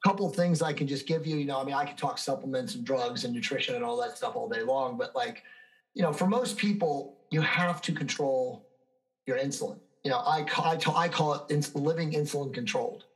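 A man's voice: mid-range voice, brisk, low-quality recording. A man in his fifties, a fitness expert guest answering interview questions in an emphatic, self-assured, lecturing way. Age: 50s.

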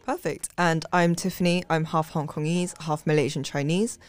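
A young woman hosting a podcast interview in a casual way, with soft listening sounds while others talk. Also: deep voice, fairly even intonation, moderate pace, soft background music. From England. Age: young adult. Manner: attentive, frequent soft backchannels. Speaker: podcast host.

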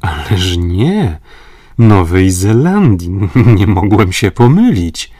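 A man voicing a calm, steady ship captain in an audiobook, speaking in a measured, respectful way. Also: sits low, no room sound, clean studio sound, recorded from a distance. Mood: insistent.

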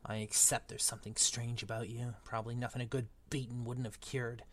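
A man's voice: mid-range voice, level tone, fairly quick, a bit bright, natural voice. A man voicing a stuffy, bullying middle-aged uncle who snarls his words with contempt. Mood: sneering.

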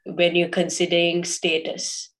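A woman from Sri Lanka speaks as a guest on a podcast. Her voice sits low for a woman and barely moves in pitch. She hesitates often, filling gaps with ums and restarting her sentences. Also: completely flat delivery, unhurried, a bit bright. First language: English. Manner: hesitant, many fillers and restarts. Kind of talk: casual interview talk.

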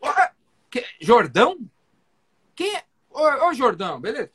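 A man's voice: very high-pitched, sing-song, normal speed, bright, forceful tone, a little hiss or hum, voice pushed up, exaggerated voice. A Brazilian man voicing a friendly male doctor who is surprised to get a phone call and answers in an eager, chummy way.

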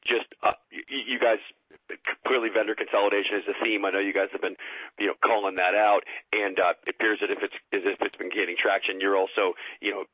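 A man phoning in as a financial analyst with a casual, halting question on an earnings call. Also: on the low side, flat delivery, no echo. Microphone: telephone. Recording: dull narrow phone line, dry.

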